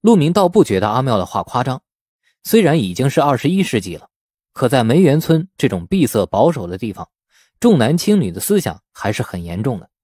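A man reading a novel aloud as scripted, expressive storytelling narration. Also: medium pitch, fairly quick, no room sound, clean studio sound. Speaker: audiobook narrator.

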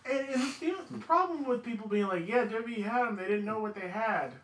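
A man's voice: sits high, fast, a bit bright, a little hiss or hum. A man co-hosting a casual wrestling podcast, conversational and ready to disagree, recorded in an echoey room. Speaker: podcast co-host.

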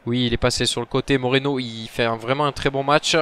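A man commentating his own football video game match, muttering between plays and shouting when goals go in. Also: mid-range voice, fairly even intonation, quick pace, clear, resonant tone. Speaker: gaming commentator.

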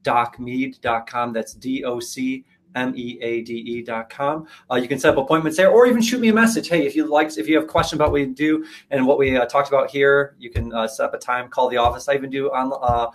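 A man appearing as a chiropractor guest, speaking calmly as he explains care to viewers. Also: medium pitch, fairly quick. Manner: calm, explanatory, reassuring. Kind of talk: casual explanation.

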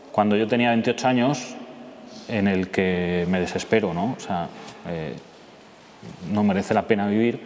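A man in his early forties with a Castilian Madrid accent, giving an informal personal testimony to an audience in a conversational, halting way. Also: medium pitch. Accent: Castilian Spanish from Madrid. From Madrid, Spain. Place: church interior, seated at a table. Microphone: lapel microphone. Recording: echoey church hall, clear background noise.

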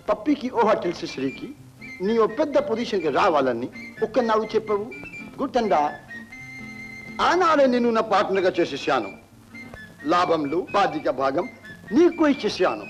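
A man's voice: sits high, low-quality recording. An actor playing a kind, generous estate owner who talks formally and mixes English phrases into his lines, in 1960s film drama dialogue.

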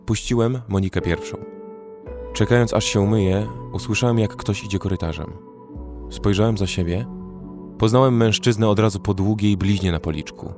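An actor narrating in first person as a young male survivor in a horror audio drama, with a measured storytelling delivery. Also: fairly low pitch, over music, lightly acted.

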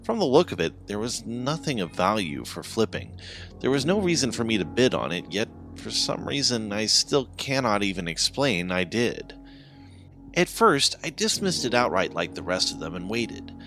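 Low-voiced man narrating with swooping pitch. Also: a bit bright. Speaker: horror story narrator. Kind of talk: dramatic first-person scripted story narration. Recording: background music under the voice. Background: music.

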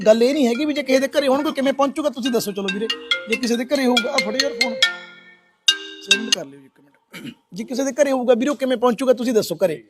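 A very high-pitched man from Punjab talks fast, working as a social worker in a village. He confronts people sharply and questions gently, recorded outdoors on a handheld camera. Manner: shouts angrily at villagers, then speaks softly to the rescued man.

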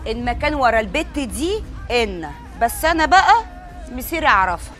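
An actress playing a nosy young neighbor with an Egyptian accent who sweet-talks and swears oaths. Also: female voice, a little high, big pitch swings, fairly quick, fairly bright tone, faint music behind. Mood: flattering. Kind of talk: TV drama acting.

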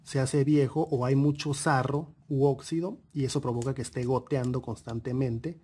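A man calmly walking through a car engine repair lesson, pointing out parts one by one and repeating key points. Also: mid-range voice, normal speed, husky. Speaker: auto mechanic instructor. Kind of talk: explanatory car repair tutorial voice-over.

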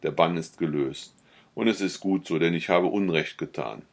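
A man's voice: deep voice, moderate pace, creaky. A man voicing Fenice, a proud and stern young woman, in firm, dismissive lines of a read-aloud novella.

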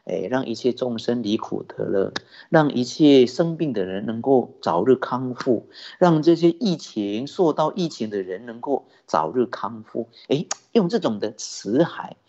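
A man who is a Buddhist teacher, giving a sermon with lively storytelling and rhetorical questions. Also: mid-range voice, unhurried. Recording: dull lo-fi recording.

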